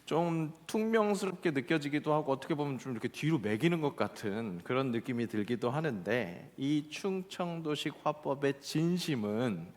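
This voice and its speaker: A male pastor from Seoul delivering a Korean sermon, telling folksy stories with acted quotes and slowing down for emphasis. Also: medium pitch, expressive. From Seoul, South Korea. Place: church sanctuary. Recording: church hall with long reverb.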